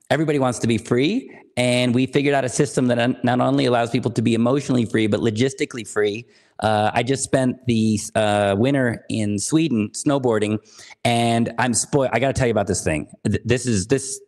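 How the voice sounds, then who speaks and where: A man from California, a podcast guest and anxiety coach, talking in a lively, joking, storytelling way. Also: medium pitch. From Berkeley, California. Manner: animated, joking, lively storyteller with playful asides. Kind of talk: casual interview chat.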